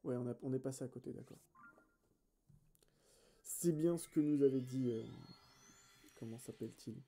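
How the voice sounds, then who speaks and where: Very dark-voiced man thinking aloud. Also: medium pitch, normal speed. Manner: thinks aloud, hesitant and self-correcting; chatty, addresses viewers directly. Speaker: let's play host. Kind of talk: casual gameplay commentary.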